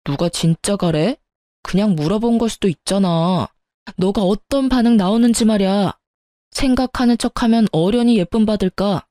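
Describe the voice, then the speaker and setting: A woman voicing a husband who defends his mother and snaps at his wife, in a mellow, dry voice. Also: medium pitch, normal speed, no room sound, close to an everyday voice. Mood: irritated. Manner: irritated, accusing. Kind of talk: storytelling radio.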